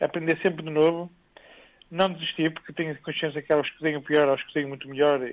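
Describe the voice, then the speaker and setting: Speaking very fast in a flat monotone, a man's voice sits at a fairly high pitch. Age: 50s. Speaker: comics artist. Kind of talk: interview. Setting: phone call. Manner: halting.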